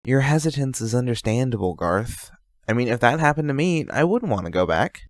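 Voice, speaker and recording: A man's voice: medium pitch, sing-song, fairly quick, dry recording, clean studio sound, close to an everyday voice. A man playing a young, easygoing sorcerer in an audio drama, speaking in an articulate, slightly formal way. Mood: concerned. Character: concerned, easygoing young male sorcerer sidekick. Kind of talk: amateur audio drama acting.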